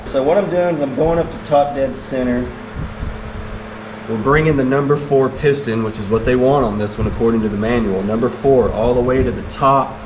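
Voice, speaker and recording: A man's voice: mid-range voice, a little fast. A middle-aged American man casually explaining a hands-on repair in a folksy, conversational way. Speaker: DIY mechanic vlogger. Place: hot space around a truck, fan running. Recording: loud fan noise behind voice. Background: fan noise.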